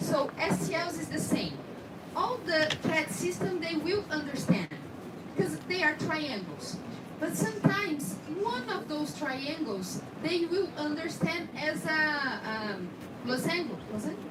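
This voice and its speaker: A Brazilian accent at a fairly slow pace, with very wide pitch swings, noticeable background noise and audible room echo. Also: woman, high pitch for a woman. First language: Portuguese. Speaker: dentist. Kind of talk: lecture.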